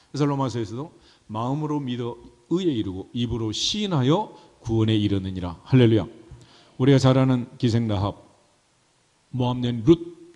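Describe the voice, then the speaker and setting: A man's voice: medium pitch, darkish tone. A male pastor preaching a sermon, talking conversationally and tossing rhetorical questions to his congregation. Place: church sanctuary. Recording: reverberant church hall.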